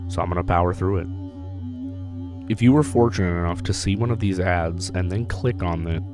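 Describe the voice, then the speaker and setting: A man with a very low voice narrates a commentary video. He sounds hoarse after a recent illness, and his delivery is casual and blunt, with a loose, mildly profane edge. Music plays steadily beneath him. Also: brisk. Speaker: YouTube commentator. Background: background music.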